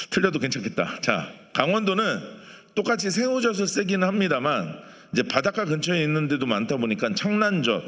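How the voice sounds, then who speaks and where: A man's voice: on the high side, a bit bright. A man preaching a sermon to a congregation in a conversational way, asking the people in the pews questions. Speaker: pastor. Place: church sanctuary. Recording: long church hall reverb.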